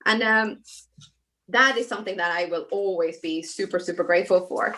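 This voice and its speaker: Brief: chatty Swedish-born woman, bright forward tone, video-call guest. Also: lowish voice, normal speed, rough recording. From Sweden. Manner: warm, chatty, many fillers and soft trailing asides. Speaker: guest designer. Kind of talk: casual chat while crafting.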